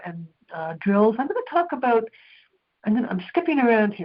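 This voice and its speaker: A woman's voice, fairly high-pitched. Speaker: dowser and presenter. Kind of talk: lecture. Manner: fast; halting.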